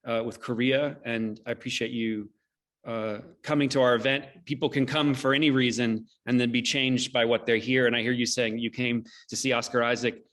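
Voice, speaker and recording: A man hosting an online discussion, speaking in a halting, reflective and appreciative way as he moderates. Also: medium pitch, steady tone, fairly bright tone. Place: online video call.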